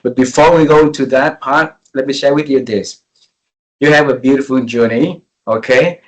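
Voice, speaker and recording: A man's voice: mid-range voice, normal speed, low-quality recording. A man in his forties from Vietnam hosting an interview over a call, speaking English with many fillers and restarts. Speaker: interview host.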